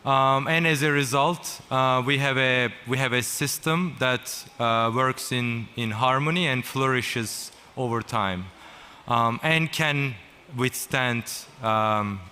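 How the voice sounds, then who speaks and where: A man from Turkey speaking as a panel guest at a conference, slow and halting with many ums and restarts. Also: mid-range voice, sharp tone. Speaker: panel guest, company founder. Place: conference stage. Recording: large hall with faint noise.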